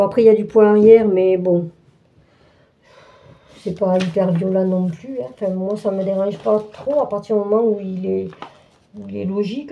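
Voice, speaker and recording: A woman's voice: medium pitch, vocal fry, mellow, lo-fi sound. A woman hosting a craft channel, chatting through an unboxing with many fillers and restarts. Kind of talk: casual unboxing walkthrough.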